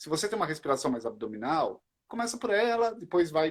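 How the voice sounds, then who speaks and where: Very wide swings in pitch run through the way this man speaks. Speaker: holistic therapist. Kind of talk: live online talk and breathing tutorial. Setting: live stream.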